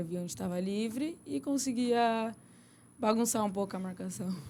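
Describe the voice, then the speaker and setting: A woman speaks at a moderate pace in a medium pitch with ordinary pitch variation. The recording is very clean, with a silent background. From São Paulo state interior. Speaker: football player. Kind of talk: post-match interview.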